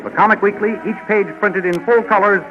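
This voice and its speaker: A man's voice: high-pitched, fairly even intonation, a little fast. A man announcing and narrating a 1930s radio serial in a dramatic, declamatory style. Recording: muffled, noisy 1930s radio recording.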